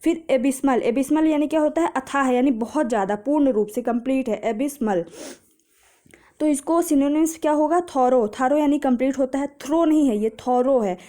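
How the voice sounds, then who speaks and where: High-voiced woman teaching vocabulary. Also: warm tone. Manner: explains patiently with memory tricks, asks and answers own questions; reads English phrases slowly. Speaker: exam prep teacher. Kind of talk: vocabulary lesson.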